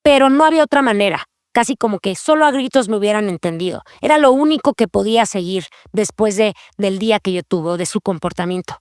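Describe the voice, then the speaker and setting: A woman's voice: mid-range voice, lively intonation, fairly quick, few pauses, darkish tone, no echo, clean studio sound. A woman hosting a Christian devotional podcast, speaking earnestly and confessionally and repeating key phrases. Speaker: podcast host.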